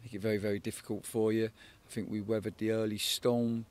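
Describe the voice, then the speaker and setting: A man in his forties, a football head coach, giving a measured post-match interview outdoors at a night stadium, often repeating words as he thinks. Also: lowish voice, flat delivery, a little mellow. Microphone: handheld interviewer microphone.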